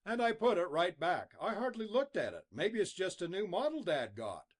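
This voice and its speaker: A man's voice: high-pitched, very animated, moderate pace, pitched above the performer's own voice. A man voicing an earnest young man, the son of a missing miner.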